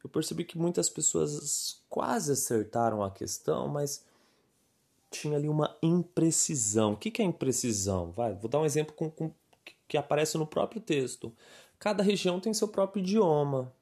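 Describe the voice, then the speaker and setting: A man's voice: fairly high pitch, lively intonation, moderate pace, vocal fry, warm tone, husky. A man with a Brazilian Portuguese accent, a language teacher and podcast host, going over a quiz in a casual, patient lesson and often tagging his sentences with little check-in words. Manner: chatty and patient, leans on filler tags like "né" and "tá".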